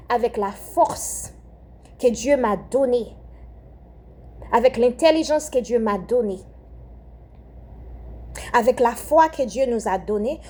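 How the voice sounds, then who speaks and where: A woman's voice: a little high, darkish tone, slightly rough. A young Haitian-born woman with a French accent giving a fervent spoken prayer message, repeating phrases and often restarting her sentences. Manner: fervent, repetitive, with hesitations and restarts. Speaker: Christian speaker.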